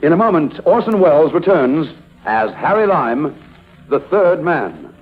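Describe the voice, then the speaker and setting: A man announces a radio drama in a formal, declaiming 1950s style. His voice is fairly high and heard over a tinny line, with loud music behind him. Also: big pitch swings, measured pace.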